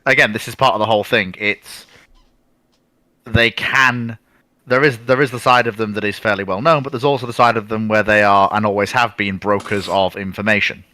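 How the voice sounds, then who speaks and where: Low, bright-voiced man, very dry sound. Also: steady tone, brisk, no echo. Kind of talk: casual explanatory discussion.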